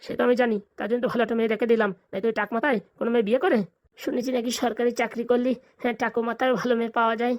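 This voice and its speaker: Woman playing a fast, blunt old village grandpa. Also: fairly high pitch, little pitch movement, lo-fi sound, close to an everyday voice. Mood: scolding. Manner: scolding, blunt, colloquial. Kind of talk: comic cartoon dialogue.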